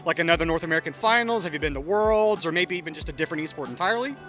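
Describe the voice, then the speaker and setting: A man's voice: fairly high pitch, expressive, racing, pushed and bright, faint music behind. Upbeat young man interviewing fans. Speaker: host, interviewer. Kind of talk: casual street interview. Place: outdoors at an event entrance.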